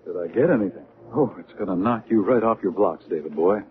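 An actor playing a probing, eager hypnotist doctor in a radio drama. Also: male voice, fairly low pitch, expressive, fairly quick, natural voice. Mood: excited. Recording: noisy, tinny old radio broadcast.

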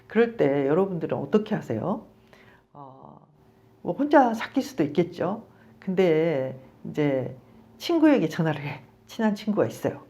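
A middle-aged woman, a psychology professor, giving a conversational video lecture on counseling and acting out bits of dialogue. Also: fairly low pitch. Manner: animated, conversational, acts out quoted dialogue.

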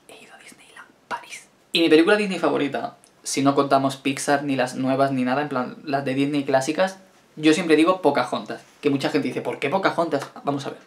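Chatty young man from Spain. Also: a little high. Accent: Spain Spanish. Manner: chatty, wry and self-mocking, reading out questions then riffing. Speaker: YouTuber answering viewer questions. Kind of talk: casual Q&A vlog.

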